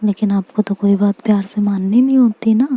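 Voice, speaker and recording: A woman voicing an amused female friend who gently teases and scolds. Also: medium pitch, a little fast, no room sound, lightly acted. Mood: teasing.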